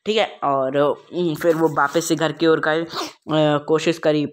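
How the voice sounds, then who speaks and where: A man teaching an English textbook chapter, reading lines out slowly and explaining them casually with many fillers. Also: a little high, level tone.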